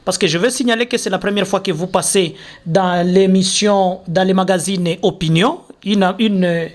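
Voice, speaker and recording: A man, hosting a talk show interview and pausing often with fillers. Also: sits high. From Congo. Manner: hesitant, many fillers and restarts. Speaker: host.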